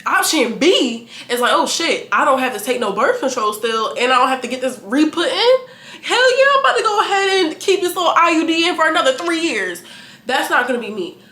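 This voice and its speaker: Young woman in her 20s, vlogger, bright voice, animated and frank, echoey room. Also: high voice, fairly quick. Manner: animated, candid, laughing, profane. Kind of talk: casual chat to camera.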